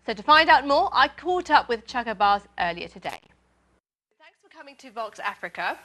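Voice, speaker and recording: A woman TV presenter introducing a guest and asking interview questions in a smooth, scripted way. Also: fairly high pitch, big pitch swings, moderate pace, fairly bright tone. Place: TV studio.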